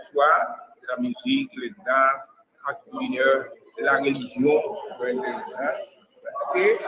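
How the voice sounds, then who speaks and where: A man from Cuba, answering interview questions in a halting way, often repeating his words. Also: mid-range voice, rough recording. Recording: crowd chatter behind.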